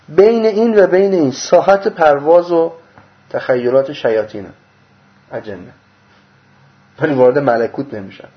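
A man giving a mystical religious lecture, explaining a diagram and asking rhetorical questions that he answers himself, swinging between loud bursts and low murmurs. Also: slight background noise. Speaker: religious teacher. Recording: dull lo-fi recording.

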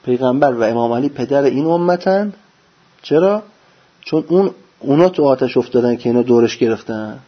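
A man giving a religious lecture, preaching with lively rhetorical questions and answering them himself. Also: mid-range voice. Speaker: religious teacher. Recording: dull lo-fi recording.

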